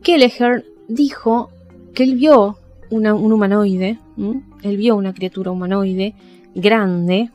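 A woman's voice: medium pitch, a little mellow. A woman with an Argentine accent hosting a podcast, casually telling paranormal history and often checking in with her listeners. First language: Spanish. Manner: conversational, addresses listeners with checking tags. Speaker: podcast host. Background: background music.

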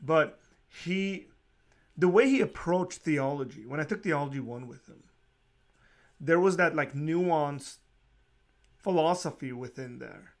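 A man hosting a casual interview, talking in a relaxed, rambling way with frequent restarts and small laughs. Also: a little high, measured pace, pauses often. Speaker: podcast host.

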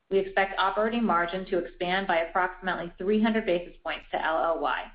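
Woman exec reading scripted finance remarks, formal, kinda dull roomy call audio. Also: fairly low pitch. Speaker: company finance executive.

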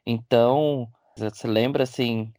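A man's voice: mid-range voice, steady tone, measured pace, dark tone, no room sound, studio quality. A man co-hosting a podcast with a teasing, camp, playful manner. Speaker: podcast co-host. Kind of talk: casual chat.

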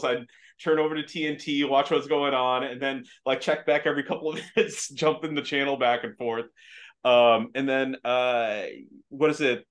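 Male podcast guest, American accent, halting casual delivery. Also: mid-range voice. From Afghanistan. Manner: hesitant, many fillers and restarts. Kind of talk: casual chat. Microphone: video call.

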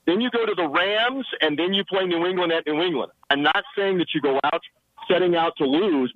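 A man reporting from the sideline as a radio show guest, rattling off confident football analysis. His voice sits a little high and sounds close and dry. He is calling in from under shelter outside a stadium. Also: dry recording, narrow, tinny audio. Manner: confident, rapid-fire football breakdown. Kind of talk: radio sports analysis by phone.

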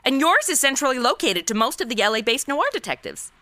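Casting: flippant modern young woman played by an actress, lively swooping delivery, bright tone, wisecracking audio-comedy sleuth. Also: high-pitched, fast talker, dry recording, full character voice. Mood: breezy, distracted. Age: 20s. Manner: sarcastic, breezy, easily sidetracked. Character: flippant modern twenty-something woman playing amateur detective. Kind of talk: comedy audio drama, wisecracking first-person narration.

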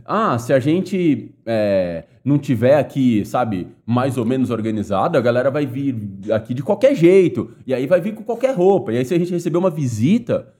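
A man's voice: medium pitch, big pitch swings, normal speed, few pauses, warm tone. A man telling a funny story in a casual chat, breaking into laughter as he goes. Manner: breaks into long laughing fits while telling stories.

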